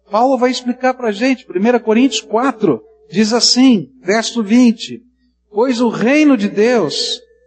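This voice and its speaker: Music plays in the background. Over it, a man speaks with an extremely high pitch. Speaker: preacher. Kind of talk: sermon. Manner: expository, didactic; earnest, emphatic.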